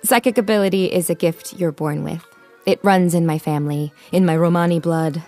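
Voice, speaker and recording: An actress playing a playful, confident young psychic tarot reader in an audio comedy, with an American accent and a teasing, dryly amused manner. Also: female voice, fairly low pitch, steady tone, fairly quick, darkish tone, faint music behind, close to an everyday voice. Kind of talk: audio drama comedy acting, conversational.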